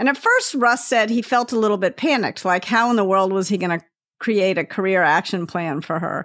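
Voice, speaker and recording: Against a quiet background, a woman with an unremarkable speaking voice talks at a fairly quick pace and medium pitch, with ordinary pitch variation. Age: 50s. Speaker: author and management coach. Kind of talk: interview.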